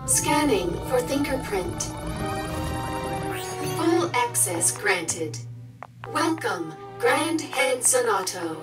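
A woman voicing a female security scanner computer in a video game, speaking in a slow, clipped, mechanical way through a loudspeaker. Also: a little high, sing-song, exaggerated voice. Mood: announcing. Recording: distant voice with game music behind.

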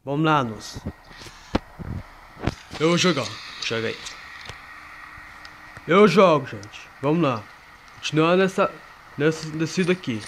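Excitable man narrating a horror game. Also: on the high side, slow, long pauses, noisy background. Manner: excitable, yelps at jump scares, talks to viewers and a friend. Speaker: gamer playing a horror game. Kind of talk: casual gameplay commentary.

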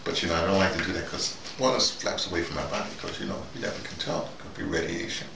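A middle-aged man in a casual, rambling show-and-tell, talking to camera in a folksy, colloquial way and often pausing mid-thought. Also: low-pitched, creaky. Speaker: vlogger. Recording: echoey, distant mic, loud background noise.

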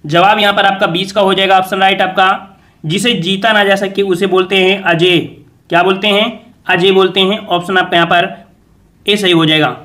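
A man's voice: high-pitched, fairly even intonation, moderate pace, bright, forceful tone. A man teaching an exam revision lesson, quizzing viewers and repeating each answer as a question.

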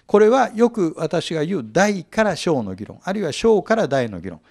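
A male Bible teacher lectures in an animated, explanatory way, putting rhetorical questions to his listeners. His voice sits fairly high and has a gravelly texture. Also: normal speed.

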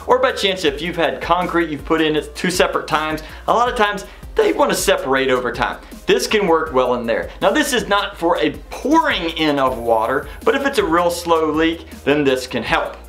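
Higher-pitched man giving practical how-to instructions. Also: fairly bright tone. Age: middle-aged. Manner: plain-spoken, practical, explanatory. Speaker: host of a home improvement how-to show. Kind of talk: instructional how-to explanation to camera.

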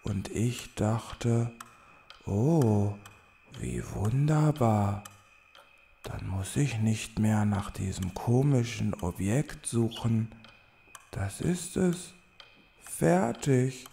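A woman playing a lazy, sleepy little creature in a children's audio drama, with a creaky, bored drawl. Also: extremely low pitch, lively intonation, extremely slow, warm tone, heavily acted. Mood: sleepy, indifferent.

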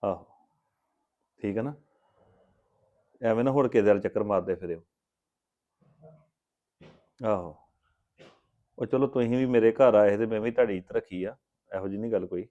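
A man's voice: on the low side, normal speed, long pauses, warm tone, highs cut off, lightly acted. An actor playing a persuasive man who reassures a caller about a land deal in a family drama. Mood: persuading. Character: smooth-talking man arranging a land deal. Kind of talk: Punjabi family drama acting.

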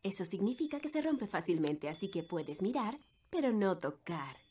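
A woman voicing a gentle but firm fairy queen mother in a Latin American Spanish cartoon dub, poised and instructive. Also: mid-range voice, very animated, moderate pace, slight background noise, close to an everyday voice.

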